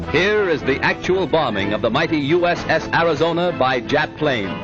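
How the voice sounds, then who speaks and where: A man with an American accent speaks at a fairly quick pace and fairly high pitch, with lively intonation and very even loudness. Music plays in the background. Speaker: newsreel commentator. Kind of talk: wartime newsreel narration.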